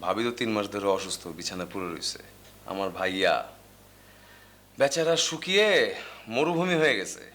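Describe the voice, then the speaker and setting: A man's voice: fairly low pitch, very animated, a little fast, long pauses, a bit bright. An actor playing a blunt family man who brushes off concerns and gossips. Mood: dismissive. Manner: dismissive, gossipy.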